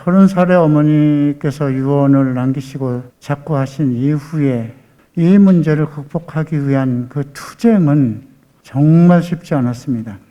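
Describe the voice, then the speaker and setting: A man in his seventies, a pastor giving a formal, earnest statement at a debate forum, pausing often with fillers. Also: fairly high pitch, mellow, muffled recording. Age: 70s. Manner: earnest, emphatic, with frequent pauses and fillers.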